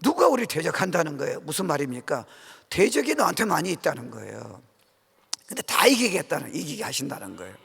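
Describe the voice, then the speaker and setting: A man's voice: a little high, sing-song, fast, gravelly, fairly bright tone, slightly rough. A middle-aged man preaching a conversational revival sermon as a guest pastor, informal and earnest, often putting questions to the congregation. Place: large church sanctuary, preaching to a congregation. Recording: reverberant church hall sound.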